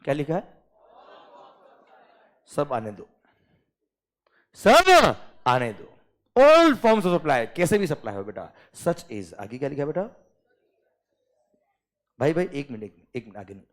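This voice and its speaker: A man with an Indian accent teaching a classroom lecture. He dictates slowly word by word, then explains quickly and keeps checking that the students follow. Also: mid-range voice, animated, a little mellow. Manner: checks understanding often, calls students "beta" and "sir".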